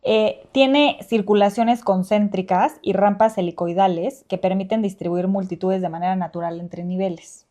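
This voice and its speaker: A woman's voice: medium pitch, fairly even intonation, moderate pace, few pauses, mellow. A young woman with a Mexican accent co-hosting a casual podcast, chatty, laughing often and filling her talk with fillers. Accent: Mexican Spanish. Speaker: podcast co-host. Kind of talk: casual chat.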